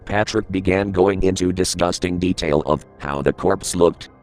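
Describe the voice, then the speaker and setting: A man narrating a creepypasta horror story in a steady, grave reading voice. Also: low voice, normal speed, faint music behind.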